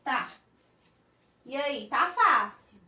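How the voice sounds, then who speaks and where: A Brazilian woman teaching a recorded class for young children, in slow, coaxing, sing-song teacher talk. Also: high-pitched, lively intonation, sharp tone, echoey room, distant mic. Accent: Brazilian Portuguese.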